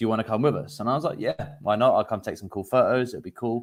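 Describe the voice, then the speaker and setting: In an English accent, a man talks at a medium pitch with ordinary pitch variation. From England. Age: 20s. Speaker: paranormal investigator and podcast host. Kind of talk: casual interview chat.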